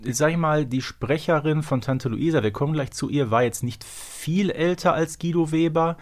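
A man's voice: a little high, moderate pace. A man of forty co-hosting a casual fan podcast, explaining things in an analytical way. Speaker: podcast co-host.

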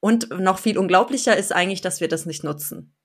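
A woman in her thirties from southern Germany talks as a guest in an interview. Her voice sits a little low, and she speaks with eager, earnest enthusiasm. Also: a little fast. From Allgäu, Bavaria, southern Germany. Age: 30s. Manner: enthusiastic, earnest, laughs easily. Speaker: interview guest, blog founder and editor. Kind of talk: conversational podcast interview.

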